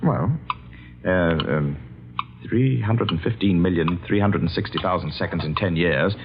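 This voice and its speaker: An actor in a 1940s radio drama playing a coldly calculating, mockingly polite avenging cousin, halting and deliberate. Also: male voice, sits low, background noise. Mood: quietly menacing. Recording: muffled 1940s radio recording with music.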